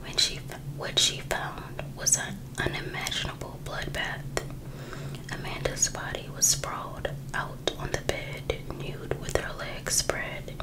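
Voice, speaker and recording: Whispering woman reading ASMR, very slow. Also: rough recording. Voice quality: breathy unvoiced whisper. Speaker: ASMR creator.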